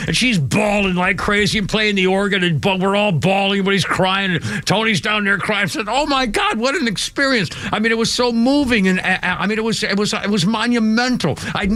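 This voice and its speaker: A man's voice: high voice, fairly bright tone, no room sound. A man in his seventies from New England, hosting a talk radio show and telling a long story in a rambling, exclamatory way, breaking off and restarting often. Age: 70s. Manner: rambling, self-interrupting, exclamatory. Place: radio studio. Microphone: studio microphone.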